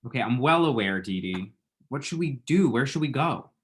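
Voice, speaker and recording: A man's voice: mid-range voice, lively intonation, moderate pace, lightly acted. A man reading the part of a dramatic, self-mocking young gay man, sarcastic and theatrical, at a table read over a call. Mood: rambling.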